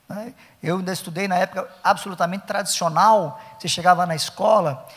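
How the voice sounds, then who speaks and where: A middle-aged man with a Brazilian Portuguese accent lectures Sunday school teachers at a church conference, emphatic and repeating his main points. His voice sits high and a bit bright, with a big-room sound.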